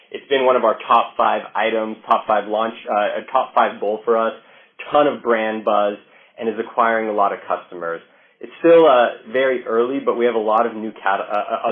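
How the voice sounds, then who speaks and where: A man speaking as a company executive answering questions on an earnings call, often repeating and restarting his phrases. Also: on the low side. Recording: narrow phone-line sound.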